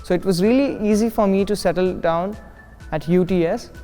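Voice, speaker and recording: Confident young man from India, mellow voice. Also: sits high, moderate pace, faint music behind. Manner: confident, upbeat. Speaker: international student. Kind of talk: casual student testimonial.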